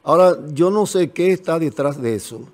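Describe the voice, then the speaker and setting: A man's voice: a little high, expressive, normal speed, a little mellow. A man in his sixties with a Dominican Spanish accent, a Catholic priest speaking earnestly and in a fatherly way as a guest on a TV panel, at a desk microphone in a studio. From Dominican Republic. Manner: earnest, fatherly, gestures emphatically. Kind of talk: TV panel discussion. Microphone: desk microphone on stand.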